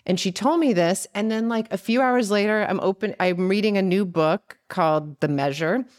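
A woman guest, a writer and actor, chatting casually and excitedly with lots of "like" fillers. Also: mid-range voice, moderate pace. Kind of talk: casual chat.

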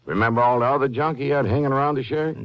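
An actor playing a plainspoken, insistent American sheriff in a western radio drama, with a folksy, emphatic delivery. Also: male voice, medium pitch, very fast, natural voice. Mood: insistent, arguing. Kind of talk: 1950s western radio acting. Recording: dull, band-limited 1950s radio recording.

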